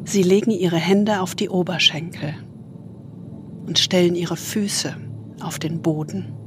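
A woman leads a guided meditation in a soft, soothing spa manner, leaving long pauses and trailing into breathiness. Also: lowish voice, fairly even intonation, noisy background. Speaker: host guiding a relaxation exercise.

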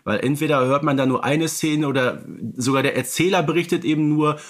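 A man co-hosting a podcast, talking in a relaxed, reflective way with many fillers and restarts. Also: fairly high pitch, a little fast. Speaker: podcast co-host. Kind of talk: casual chat.

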